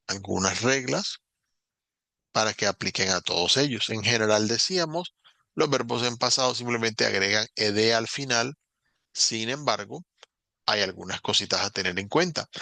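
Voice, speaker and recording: A man teaching a recorded lesson, explaining rules calmly in short phrases with pauses. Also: on the low side, vocal fry, no echo. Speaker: English teacher.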